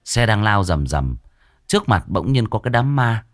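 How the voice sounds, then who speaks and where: A man telling a comic story in lively, colloquial narration. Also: on the low side, normal speed, no room sound, clean studio sound. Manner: lively colloquial narration with loud put-on voices. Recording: faint music behind.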